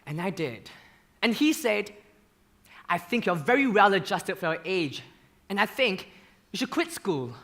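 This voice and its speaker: A young man acting a stage monologue as a gay male dancer who haltingly confesses his painful past in a theater. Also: sits high, a bit bright. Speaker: student actor in a stage musical.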